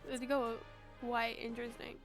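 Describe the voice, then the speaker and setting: A woman's voice: fairly high pitch, flat delivery, moderate pace, soft background music. A woman co-hosting a gaming video, chatting casually in slangy, colloquial speech. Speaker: gaming channel co-host. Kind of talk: casual chat over a game playthrough.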